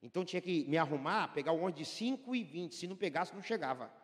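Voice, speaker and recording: A man from Brazil preaching a fervent sermon as pastor, swinging from hushed storytelling to shouting. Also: fairly high pitch, animated, fast talker. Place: church hall with long reverb. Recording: reverberant church hall.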